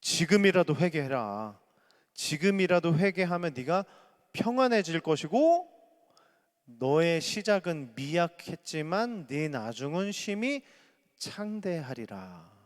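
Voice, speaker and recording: A self-righteous friend lectures in a blunt, rude tone, as a preaching man acts him out. His lively pitch rises and falls as he scolds. The voice rings through a long, echoey hall. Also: slow pace. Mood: preachy.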